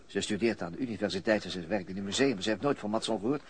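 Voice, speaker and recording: Weary police detective, male actor, lowish pitch, hesitant and thoughtful delivery. Radio drama with faint noise. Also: lightly acted. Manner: hesitant, halting, musing. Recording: noisy archived radio drama recording.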